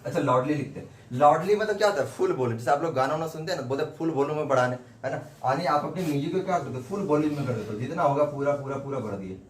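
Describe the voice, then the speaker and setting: A man's voice: on the high side, very fast, hardly any pauses. Man teaching grammar in an echoey room. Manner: repetitive, asks and answers his own questions. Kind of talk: whiteboard grammar lesson. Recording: echoey room with faint background noise.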